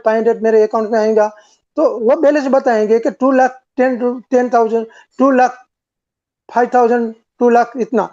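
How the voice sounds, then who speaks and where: A man's voice: very high voice, mellow. A man speaking as a shareholder over a remote call line at an online meeting, earnestly pleading for changes. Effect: heard over a remote call line. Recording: dull lo-fi call audio.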